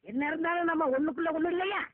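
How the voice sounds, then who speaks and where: A man's voice: very high-pitched, rapid-fire. A man in a film comedy scene, talking as an agreeable, pleading sidekick. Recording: tinny lo-fi film audio.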